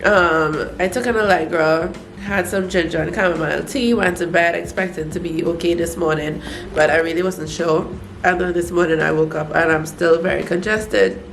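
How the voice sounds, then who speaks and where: In a gravelly, lowish voice at normal speed, a young woman from Trinidad and Tobago chats casually for her home vlog with a Trinidadian accent. She's stuffed up, relaxed, and full of fillers, and the echoey room carries faint ambient noise.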